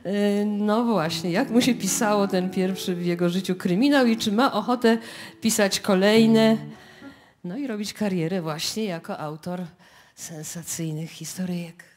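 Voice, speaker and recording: A woman's voice: medium pitch, measured pace. A woman hosting live radio on stage, announcing to an audience in a chatty, ad-libbing manner. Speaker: radio host. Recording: live radio stage with music and loud crowd. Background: music and audience noise.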